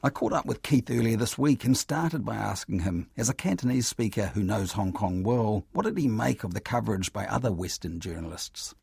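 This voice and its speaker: A New man hosting a radio media program in a low, gravelly voice. His tone is dark and husky, and the studio sound is dry and close. He reads his script in a measured, even way. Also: no room sound. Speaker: radio media show host.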